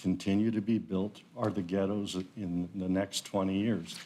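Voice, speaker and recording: A man with an American accent and a normal speaking voice, fairly low in pitch, at a fairly slow pace with ordinary pitch variation. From Southern California. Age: 60s. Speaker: county commissioner. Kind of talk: public comment at council meeting. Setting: city council meeting.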